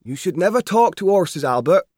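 A man's voice: sits high, sing-song, moderate pace, darkish tone, husky, no echo, studio quality, pitched above the performer's own voice, full character voice. A man voicing an anxious, stern farmer's wife and mother in a storybook reading. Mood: scolding. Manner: scolding, anxious. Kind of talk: audiobook character voice.

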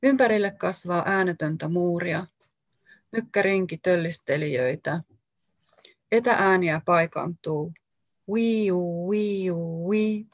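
A woman author reading her own poetry aloud in slow, deliberate short lines. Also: fairly low pitch, no room sound.

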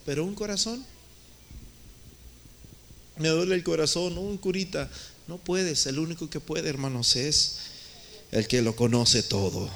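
His voice a little high, gravelly and fairly bright, a pastor preaches at a measured pace with frequent pauses in a U.S. church. He addresses the congregation as brothers and pushes his voice up and down for emphasis, with slight background noise behind him.

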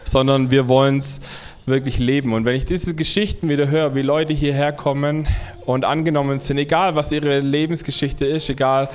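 A man preaching a sermon to a congregation in an earnest, halting way. He often restarts his phrases as he builds toward a point. His pitch sits in an ordinary middle range. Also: fairly even intonation, clean tone.

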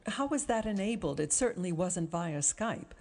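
A woman's voice: lowish voice, lively intonation, normal speed, darkish tone. A woman hosting a conversational interview, articulate and appreciative in her way of talking. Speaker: interview host.

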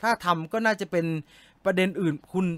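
A man's voice: high voice, fairly quick, dry recording. A man hosting a casual live stream, reading out viewer comments and answering them in a chatty, joking way.

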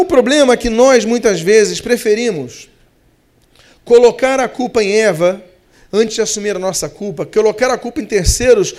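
A man with a Brazilian Portuguese accent, preaching a sermon as pastor, stretching key words slowly and hurrying through asides. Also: high voice, a little mellow.

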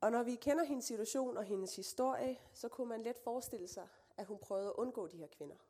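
Female preacher, relaxed conversational sermon, gravelly rasp. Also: fairly high pitch. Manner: conversational and warm-hearted, with fillers and asides. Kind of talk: sermon with scripture reading.

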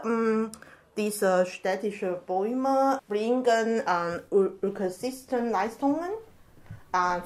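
Slow, hesitant woman from Taiwan. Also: medium pitch. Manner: hesitant, many fillers, searching for words. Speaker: podcast guest, master's student. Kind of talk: casual podcast interview.

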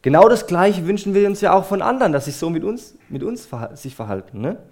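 A man preaching a sermon, earnest and emphatic, speaking straight to his listeners and letting many phrases fall quiet at the end. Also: high-pitched, animated, fast.

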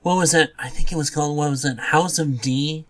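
A man with a fairly high, slightly bright voice speaks briskly as a podcast co-host. He chats casually and informally about movies and video games.

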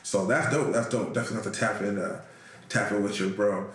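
Host: mid-pitched man, upbeat and slangy, in a very echoey room. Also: fairly even intonation, fast. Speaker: radio host. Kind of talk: casual radio interview.

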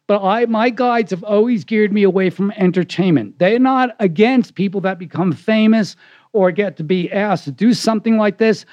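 A high-voiced man with a New York Jewish accent chats through anecdotes in an interview. His voice carries, and he acts out both sides of conversations. The sound is dry and slightly dull. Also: darkish tone, no echo. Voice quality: carrying voice. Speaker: psychic, interview guest.

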